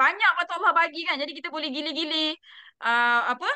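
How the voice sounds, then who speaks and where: A woman's raised, projected voice at an extremely high pitch, bright and sharp in tone, at a fairly quick pace over a quiet background. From Johor, Malaysia. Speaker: direct-sales team leader. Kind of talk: motivational sharing on video call. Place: home room. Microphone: webcam.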